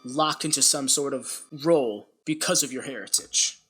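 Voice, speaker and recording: A woman narrating a tabletop game as game master, chatty and quick to laugh. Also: extremely low pitch, a bit bright, faint music behind. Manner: chatty, laughs easily, rambling.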